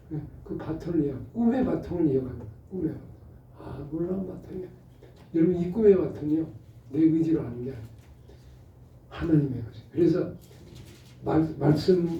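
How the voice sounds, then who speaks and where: A man's voice: a little high, slight background noise. Distant, roomy-sounding male pastor. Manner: animated, rhetorical questions, acts out dialogue. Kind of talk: Bible study lecture. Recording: muffled roomy audio from a distant mic.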